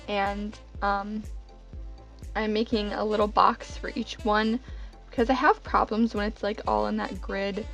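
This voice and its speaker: A young woman talks casually over a faint music bed, her voice gravelly and hoarse as she gets over a cold. She rambles, leans on fillers like "like" and "um", and pokes fun at herself. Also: medium pitch, flat delivery, unhurried, fairly bright tone. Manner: rambling, filler-heavy and self-deprecating. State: hoarse, getting over being sick. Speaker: bullet journal vlogger.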